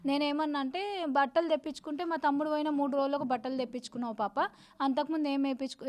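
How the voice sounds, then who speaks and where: High-voiced, fast-talking woman. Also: a little mellow. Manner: agitated, rapid and insistent; urgent, grieving recounting. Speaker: victim's elder sister. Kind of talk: news interview testimony.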